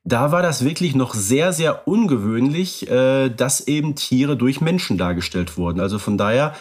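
A man's voice: mid-range voice, animated, normal speed, slightly rough. A man co-hosting a podcast, agreeable and matter-of-fact in casual chat. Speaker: podcast co-host.

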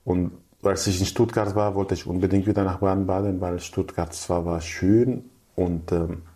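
A man's voice: low voice, fairly even intonation, moderate pace, dark tone. A young man from Syria, chatting as an interview guest in fluent but German, with many restarts. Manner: fluent but non-native, restarts, acts out quoted people. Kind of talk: casual interview chat.

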